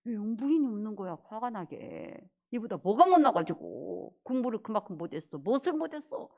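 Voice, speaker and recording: Woman pastor, lively swooping voice, scolding, loud then whispering. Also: medium pitch, fairly quick, vocal fry, dull audio. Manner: animated and scolding, swinging between loud exclamations and whispered asides. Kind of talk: sermon.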